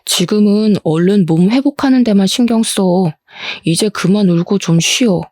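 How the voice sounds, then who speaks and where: A woman voicing a young husband who gently soothes his grieving wife. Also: mid-range voice, normal speed, no room sound, clean studio sound, lightly acted. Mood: soothing. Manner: soft, soothing.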